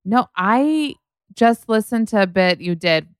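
A woman's voice: medium pitch, expressive, measured pace, smooth, no room sound, studio quality. A woman hosting a podcast, chatting in a gushing, rambling way full of "like". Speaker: podcast host. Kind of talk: casual podcast chat.

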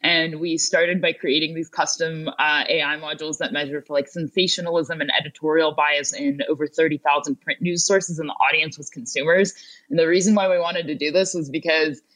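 A woman's voice: low-pitched, steady tone, a little fast, fairly bright tone, rough recording. Young woman explaining as an interview guest. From Ukraine. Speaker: interview guest, tech company co-founder and CEO.

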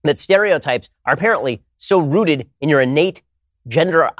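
A man on a studio panel making a fast, emphatic argument, with frequent rhetorical "right?" checks. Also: fairly high pitch, expressive, a bit bright, no echo. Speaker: roundtable panelist. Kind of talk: rapid argumentative commentary.

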